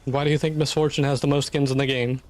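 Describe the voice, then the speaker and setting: A man's voice: medium pitch, little pitch movement, quick pace, a little mellow, slight background noise. A streamer man losing his voice. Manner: chatty, offhand, swears, self-interrupting. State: losing his voice, clearing throat. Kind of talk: casual gameplay commentary.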